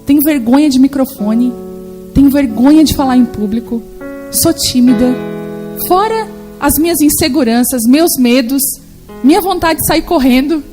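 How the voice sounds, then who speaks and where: A Brazilian woman in her forties preaching a sermon with lively, animated storytelling in which she acts out the voices she quotes. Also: high voice, normal speed, music in the background, poor audio. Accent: Brazilian Portuguese.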